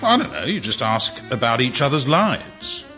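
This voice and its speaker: A man's voice: medium pitch, sing-song, normal speed, pushed and bright, soft background music. An actor playing a suave, world-weary man with a dry, sardonic manner in a radio comedy. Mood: exasperated, dry. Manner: dry, droll. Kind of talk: scripted radio comedy acting.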